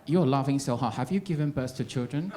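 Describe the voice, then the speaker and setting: A young gay comedian works a club crowd in English that carries a slight American twang over a non-native base. His delivery is dry and wry, and he chats directly with the audience. His voice sits at an everyday middle pitch. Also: a little fast, dark tone, a little hiss or hum. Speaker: stand-up comedian. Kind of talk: stand-up set.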